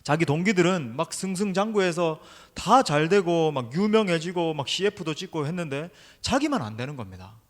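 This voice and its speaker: A middle-aged man preaches with emphasis, turning again and again to address the congregation directly. His voice sits a little high for a man. The sound rings with the long reverb of a large church sanctuary. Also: expressive, moderate pace, hardly any pauses. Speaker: senior pastor. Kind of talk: sermon. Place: church sanctuary during an evening service.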